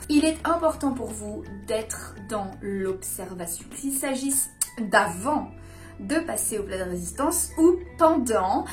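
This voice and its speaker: Talking casually to camera, a woman who coaches dating and seduction presents her channel in a casual, explanatory vlog style. She sounds fairly high and bright, wired and energetic, punching out her points in emphatic bursts.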